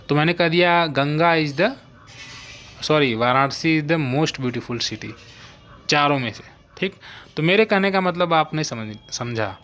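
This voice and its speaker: A man's voice: mid-range voice, fairly bright tone. A man teaching English grammar in a live online exam-prep lesson. He explains step by step and keeps checking whether his students follow.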